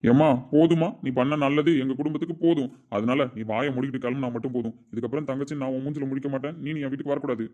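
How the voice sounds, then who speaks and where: A man's voice: medium pitch, little pitch movement, rapid-fire, hardly any pauses, darkish tone, highs cut off, close to an everyday voice. A man playing a middle-aged father who defends his daughter with emphatic, indignant speech in a family drama. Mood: angry. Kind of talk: amateur family drama acting.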